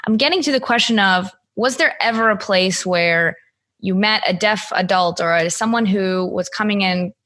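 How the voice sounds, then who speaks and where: Woman podcast host, mid-pitched voice, attentive interviewer. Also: moderate pace, fairly bright tone.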